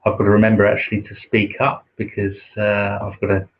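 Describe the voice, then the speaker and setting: A soft-spoken man with a low, husky voice that stays flat and even. He talks hesitantly, with pauses and fillers, and reads slowly and contemplatively. The sound is dull and lo-fi, like a home livestream. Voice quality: naturally quiet voice. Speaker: livestream host reading aloud. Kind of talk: slow contemplative reading of a spiritual text.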